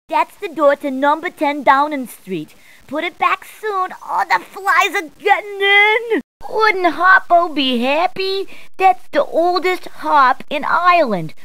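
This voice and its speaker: A high, punning game policewoman. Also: a bit bright, no echo, heavily acted, poor audio. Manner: upbeat, punning, chatty. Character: cheery punning adult policewoman. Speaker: voice actor. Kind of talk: game voice clips.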